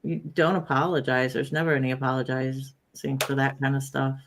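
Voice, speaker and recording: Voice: medium pitch, steady tone, brisk, fairly bright tone, a little hiss or hum. A host of a live-stream interview, supportive in tone, reading out viewer comments between questions.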